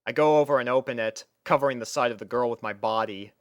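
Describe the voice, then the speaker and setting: A man voicing a lonely, bewildered male college student in a deliberate, theatrical audiobook-style reading with dramatic pauses. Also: mid-range voice, no room sound, studio quality, lightly acted. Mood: puzzled.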